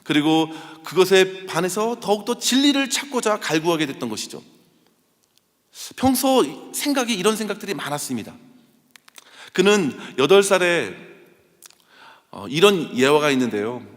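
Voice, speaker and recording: A man's voice: high-pitched, big pitch swings, moderate pace, pauses often. A man preaching a sermon as pastor, telling stories and building to fervent appeals. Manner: storytelling, rising to fervent appeals. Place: church sanctuary. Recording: long reverb of a church hall.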